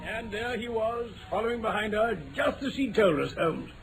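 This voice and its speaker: An actor playing a bluff, excitable and loyal English gentleman in a vintage radio drama, with a blustering, exclamatory manner. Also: sits high, moderate pace, gravelly, music in the background. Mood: eager reporting. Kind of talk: 1940s radio drama acting.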